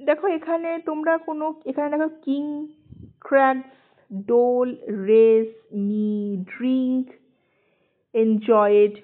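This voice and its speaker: A woman teaching an English poem online with a Bengali accent, explaining patiently and often checking in with her students. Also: high voice. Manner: explanatory, checks in with "ঠিক আছে" and "okay", reads English slowly. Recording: tinny phone-like sound.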